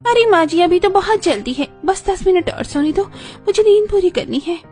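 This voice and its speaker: A woman plays a sleepy, spoiled young daughter-in-law in an animated story. Her voice sits high and squeaky, and she drags out her whiny pleas. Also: moderate pace, faint music behind. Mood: whiny pleading. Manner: whiny, pleading.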